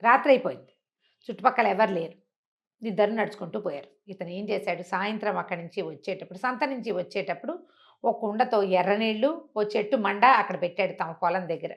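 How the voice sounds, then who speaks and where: A woman's voice: medium pitch, a little fast. A woman telling a folk story conversationally, acting out the dialogue and asking rhetorical questions as she explains.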